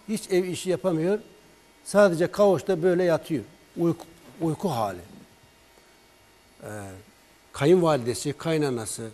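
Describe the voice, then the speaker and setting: An herbal remedy expert with a somewhat high voice tells a patient story on a broadcast. He narrates with animation, acting out both the patient's words and his own in dialogue form.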